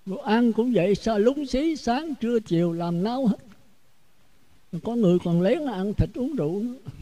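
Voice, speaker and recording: A man's voice: sits high, lively intonation, moderate pace, mellow, low-quality recording. A Buddhist monk with a Southern Vietnamese accent giving a blunt, outspoken sermon, often repeating words as he searches for the next one.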